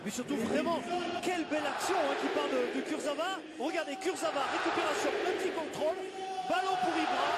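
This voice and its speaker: Guy doing excited football co-commentary over replays, super high voice, loud stadium din. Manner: animated, emphatic, repeats words for emphasis. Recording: loud stadium noise behind the voice. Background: loud stadium ambience.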